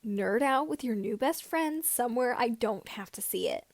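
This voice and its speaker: Male teen mechanic sidekick female reader: wry, teasing, exasperated, highish pitch, dry story recording. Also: lively intonation, normal speed, no room sound. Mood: mock exasperation. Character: teasing nineteen-year-old male mechanic friend.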